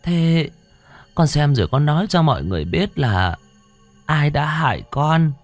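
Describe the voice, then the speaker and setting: A man's voice: on the high side, big pitch swings, measured pace, no room sound, soft background music, pitched above the performer's own voice. A man voicing a sweet-talking wealthy village lady who coaxes a ghost child in a honeyed tone. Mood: coaxing. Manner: honeyed, coaxing.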